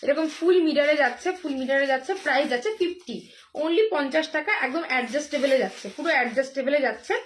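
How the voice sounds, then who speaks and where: A hoarse woman selling jewellery on a live stream, chatty and repetitive, with many fillers and drawn-out phrases. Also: high-pitched, slight background noise. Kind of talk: live sales pitch.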